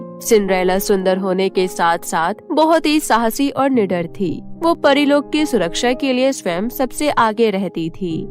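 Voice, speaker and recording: A woman storyteller reading a scripted children's tale as narration. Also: mid-range voice. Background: faint music.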